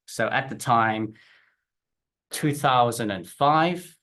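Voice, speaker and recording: A South African man in his forties, an interview guest and business owner, telling his story in relaxed chat with restarts and fillers. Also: mid-range voice, takes it slowly.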